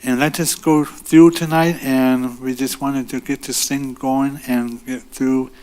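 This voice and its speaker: A man giving an invocation at a city council meeting in a council chamber, praying in halting, repetitive phrases. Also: medium pitch, little pitch movement, darkish tone, clear, resonant tone. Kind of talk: spoken prayer.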